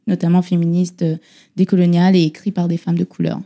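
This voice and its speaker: A woman's voice: fairly low pitch, level tone, fast talker, gravelly, warm tone. A woman guest explaining her views earnestly, with frequent hesitations. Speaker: podcast guest. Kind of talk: casual discussion.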